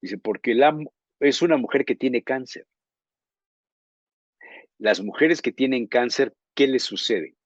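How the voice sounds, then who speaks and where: A Mexican journalist co-hosting a talk show, telling long anecdotes and often pausing to search for words. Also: male voice, mid-range voice, dry recording, highs cut off. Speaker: journalist co-host. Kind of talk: casual talk show chat.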